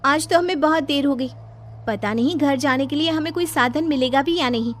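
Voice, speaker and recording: A jumpy young office worker who frets over every shadow, speaking in a very high, thin voice, acted by a woman. Faint music runs under this cartoon story. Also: moderate pace, a bit bright. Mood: worried. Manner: anxious, fretful.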